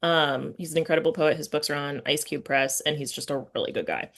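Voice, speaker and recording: A woman's voice: low-pitched, a little fast, a bit bright. A woman hosting a casual literary interview, speaking informally and thinking aloud as she forms her questions. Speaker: podcast interviewer and writing teacher.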